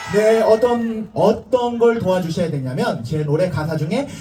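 Over music in the background, a man with a Gyeongsang accent speaks at a high pitch and a fairly slow pace. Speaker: trot singer. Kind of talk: comic stage banter to a live audience. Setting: outdoor live stage.

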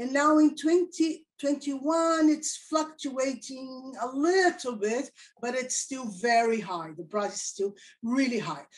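A woman's high voice with a Brazilian accent, at a fairly slow pace over a quiet background. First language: Portuguese. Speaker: geology professor. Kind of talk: conference presentation. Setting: video call. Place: home room. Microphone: video call.

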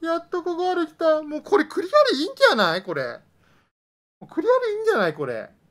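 A man's raised, projected voice, bright and sharp, with very wide pitch swings, a fairly quick pace and a quiet background. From Japan. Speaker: gaming YouTuber. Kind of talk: let's play commentary. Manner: animated. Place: home room. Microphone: studio mic.

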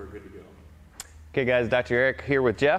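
A man is speaking. His pace is very fast. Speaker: fitness coach. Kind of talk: tutorial. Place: gym.

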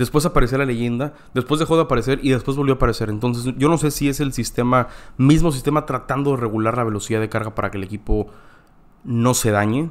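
A man talks at a very fast pace with a Mexican accent. His pitch variation is ordinary. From Mexico. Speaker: tech reviewer. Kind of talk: product review. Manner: casual, conversational. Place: home room. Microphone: studio mic.

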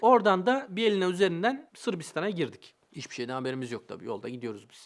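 A man talks at a fairly quick pace. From Turkey. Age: 40s. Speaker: university lecturer. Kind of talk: interview storytelling.

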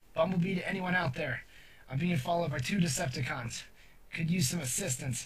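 A man performs a put-on character voice. He pitches it high. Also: fairly quick pace. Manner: urgent but controlled.

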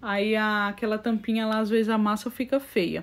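A woman talks at a moderate pace. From São Paulo, Brazil. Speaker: cooking youtuber. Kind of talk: cooking tutorial. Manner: chatty, informal. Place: kitchen.

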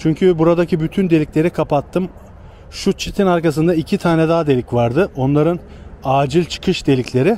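The sound is dry with no echo as a man talks at a moderate pace with ordinary pitch variation. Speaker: home vlogger. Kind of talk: casual vlog chat. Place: garden. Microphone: phone near.

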